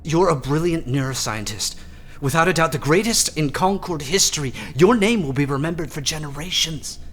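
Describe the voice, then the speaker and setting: Pragmatic, devoted female assistant, audio fiction. Lower register, highly expressive. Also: normal speed. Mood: pleading, persuasive. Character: loyal, excitable assistant to a brilliant scientist, pragmatic. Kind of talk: audio fiction drama acting.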